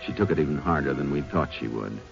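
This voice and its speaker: Low-voiced Texas Ranger. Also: male voice, animated, creaky, heavily acted. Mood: measured narration. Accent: American. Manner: measured, matter-of-fact questioning. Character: calm, methodical male Texas Ranger investigator. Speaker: lead actor and narrator. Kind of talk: 1950s radio drama acting and narration. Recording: dull old radio recording, faint music.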